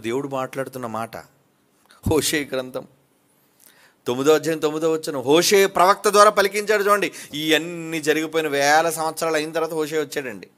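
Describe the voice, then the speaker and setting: A male pastor preaching a sermon, rising from quiet asides to loud peaks, firing off rhetorical questions and mimicking gossips. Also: on the high side.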